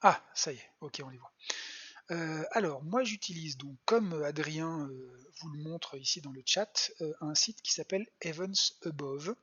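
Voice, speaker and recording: A bright, forceful voice with a husky edge, explaining astronomy at a patient pace for young viewers. The talk is full of hesitant fillers and quiet asides muttered while working the screen. It comes through a dull, lo-fi home stream. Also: mid-range voice, unhurried. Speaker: planetarium science educator. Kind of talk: live online astronomy demo for kids.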